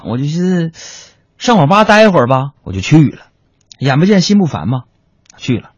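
A man telling a comic story, chatty and animated, talking to his listeners as friends. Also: on the high side, normal speed, breathy edge, dry recording. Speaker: comedian. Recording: dry lo-fi recording.

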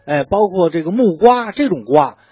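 A man's voice: sits high, animated, normal speed, mellow, slightly rough, no echo. A man with a Beijing accent explaining things conversationally, like a storyteller who poses questions and then answers them. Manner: colloquial storyteller, asking and answering own questions. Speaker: food writer guest explaining dishes. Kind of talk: conversational explanation of traditional cooking. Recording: muffled, dull lo-fi sound.

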